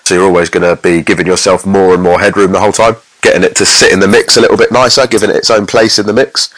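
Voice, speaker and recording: A man's voice: low-pitched, fairly even intonation, fast, fairly bright tone. A man co-hosting a podcast as a mix engineer, giving casual technical explanations in an informal, rambling way full of examples.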